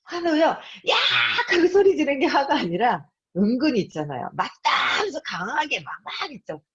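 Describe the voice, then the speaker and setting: A woman's voice: sits high, sing-song, fairly quick. A woman in her fifties hosts a live-streamed book talk, speaking straight to her audience and acting out her own thoughts and voices. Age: 50s. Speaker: host. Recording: dull lo-fi sound.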